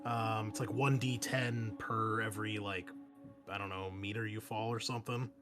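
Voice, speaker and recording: A man's voice: lowish voice, level tone, normal speed, music in the background. A man running a tabletop game as game master, informal and thinking aloud as he narrates and checks rules.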